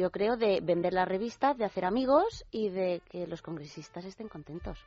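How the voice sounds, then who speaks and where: In a Madrid accent, a woman speaks at a medium pitch and moderate pace with lively intonation, music playing in the background. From Madrid, Spain. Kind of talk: casual chat.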